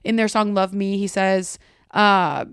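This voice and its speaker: A woman's voice: medium pitch, fairly even intonation, measured pace, smooth, no echo, studio quality. A woman hosting a casual solo podcast, chatty and loose, talking through song lyrics line by line with lots of "like" and "kinda". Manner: full of filler words like "like" and "kinda". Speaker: podcast host.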